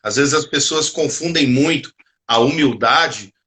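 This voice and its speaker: A man's voice: mid-range voice, unhurried, pushed and bright. A man in a casual devotional chat on a video call, explaining ideas in a reflective way. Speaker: participant in a Bible discussion.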